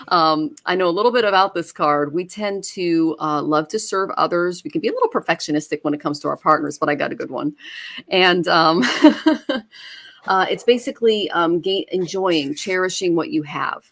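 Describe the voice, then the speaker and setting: A woman giving a live online tarot reading, speaking reflectively with many fillers. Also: fairly low pitch. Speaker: tarot reader.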